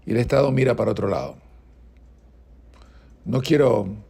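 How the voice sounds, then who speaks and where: A middle-aged Argentine man delivers opinionated news commentary in a pointed, indignant way. His voice has a gravelly, rough texture at a medium pitch, and he often restarts his sentences as he presses his points. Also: moderate pace, dark tone. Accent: Argentine Spanish. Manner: emphatic, indignant, with frequent restarts. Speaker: political commentary host.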